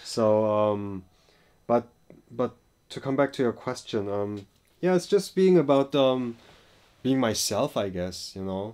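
A man's dark, mellow tone with lively intonation and long, frequent pauses. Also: medium pitch for a man, fairly slow pace. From Germany. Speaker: actor and writer; actor. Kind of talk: casual interview. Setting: recorded in Seoul. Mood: calm, reflective. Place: home room.

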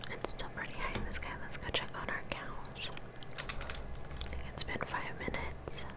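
Moderate pace broken by long, frequent pauses. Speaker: ASMR gaming content creator. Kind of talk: ASMR gaming commentary, casual talk to camera. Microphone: studio mic.

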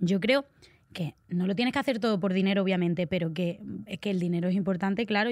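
A woman's medium-pitched voice at a very fast pace with ordinary pitch variation, dry sound with no echo and a quiet background. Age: 30s. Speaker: social media gossip influencer. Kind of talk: casual chat. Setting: studio. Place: studio. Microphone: handheld.

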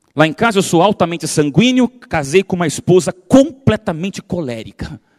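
Over a quiet background, a man talks at a moderate pace. His tone is animated and his intonation lively. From Brazil. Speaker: preacher. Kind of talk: sermon. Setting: church with congregation. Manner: lively, emphatic, storytelling with humor. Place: church. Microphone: handheld.

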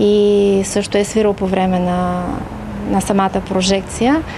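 Noticeable background noise behind a woman's fairly slow speech. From Bulgaria. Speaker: archivist. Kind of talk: interview. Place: garden. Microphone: handheld.

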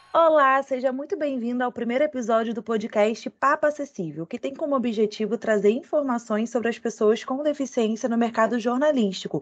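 Amid noticeable background noise, a woman talks at a fairly quick pace and high pitch, with ordinary pitch variation and hardly any pauses. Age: 20s. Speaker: journalism student podcast host. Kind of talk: podcast interview.

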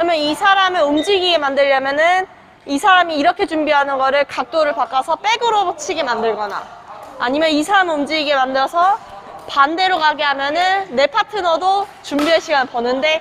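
A high-pitched woman speaks at a moderate pace while faint music plays in the background. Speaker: badminton coach. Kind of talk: lesson instruction. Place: hall.

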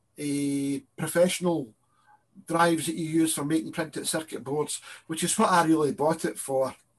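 A man with a Scottish accent speaks at a moderate pace. His voice sits high and his intonation stays fairly even. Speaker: hobbyist club presenter. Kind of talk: presentation.

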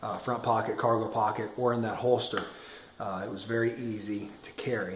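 A man's voice at a fairly quick pace, with audible room echo. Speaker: gun reviewer. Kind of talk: product review talk. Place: kitchen. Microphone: webcam.

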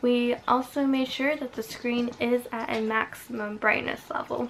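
A woman with a high pitch talks at a moderate pace with fairly even intonation, with light background noise behind her. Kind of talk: scripted product presentation. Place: home room. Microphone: camera far.

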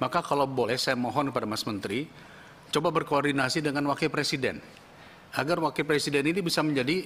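This man's voice has a fairly high pitch. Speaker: member of parliament. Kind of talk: parliamentary speech. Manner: forceful. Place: meeting room. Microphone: podium.

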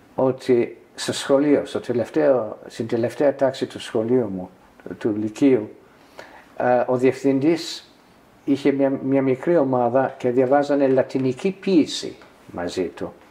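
This man talks at a very slow pace, with long, frequent pauses. His pitch is medium, with ordinary pitch variation. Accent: English. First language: English (speaking Greek). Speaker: interviewee. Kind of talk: interview. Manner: halting. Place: home room. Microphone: lapel.

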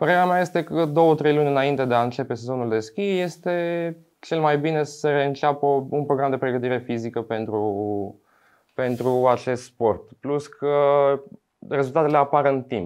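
The man's voice sits fairly high, and he speaks at a moderate pace. The background is quiet. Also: ordinary pitch variation. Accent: Greek. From Greece. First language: Greek (speaking Romanian). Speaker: physiotherapist; guest. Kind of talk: interview. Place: studio. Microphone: lapel.

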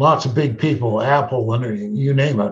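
At a fairly slow pace, a man speaks in a somewhat breathy voice with ordinary pitch variation. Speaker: aviation maintenance business owner. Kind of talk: casual chat. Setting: video call. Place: home room. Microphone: video call.

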